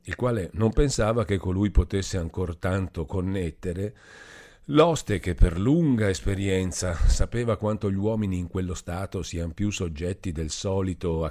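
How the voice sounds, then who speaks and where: A man reading a classic novel aloud as narrator, in measured, expressive storytelling. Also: low-pitched.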